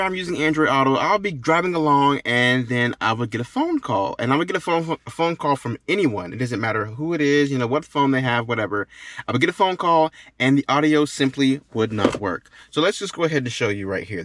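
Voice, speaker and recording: Male how-to host, casual and expressive, mid-range voice, restates key points, very dry recording. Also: mid-range voice, no room sound. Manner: repeats phrases for emphasis. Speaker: tech tutorial host. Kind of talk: casual how-to demonstration talk. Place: inside a car.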